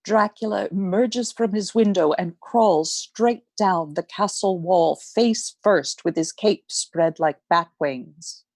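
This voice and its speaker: A woman reading scripted narration for a radio play in a measured, dramatic way. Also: medium pitch, darkish tone, no room sound. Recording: close, dry, faint music behind.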